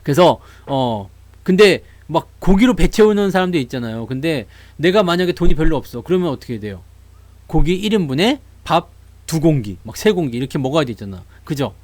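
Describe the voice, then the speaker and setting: Male stream host, casual market talk, high lively pitch, dry room. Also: a little fast, no room sound. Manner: animated, acts out investors' voices. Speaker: stock market YouTuber.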